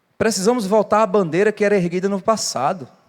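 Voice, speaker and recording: This man speaks with a high pitch. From Brazil. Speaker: pastor. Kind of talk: sermon.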